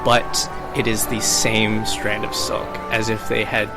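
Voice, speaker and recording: A man playing a tabletop roleplaying game, describing his character in a measured, dryly understated way. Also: fairly low pitch, completely flat delivery. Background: background music.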